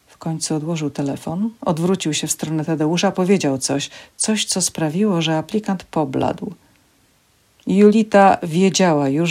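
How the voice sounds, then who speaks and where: A woman reading a passage of a novel aloud in measured, steady narration for a library program. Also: deep voice. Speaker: audiobook reader for a library program.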